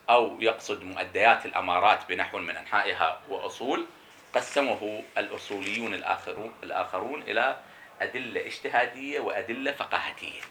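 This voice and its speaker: A man's voice: sits low, sharp tone, a little hiss or hum. A man teaching a seminary lecture on jurisprudence, explaining emphatically and answering his own questions. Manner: repeats key terms slowly for emphasis.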